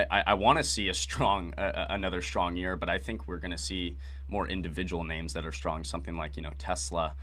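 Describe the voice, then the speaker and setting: A man's voice: deep voice, sharp tone. A man co-hosting a casual market talk show as an active trader, speaking emphatically and earnestly. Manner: emphatic, earnest, stressing points.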